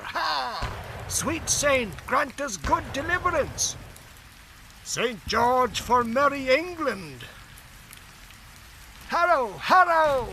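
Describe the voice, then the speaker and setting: A man voicing a chorus of phantom medieval archers shouting fervent battle cries. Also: extremely high pitch, vocal fry, slight background noise, pitched above the performer's own voice, exaggerated voice.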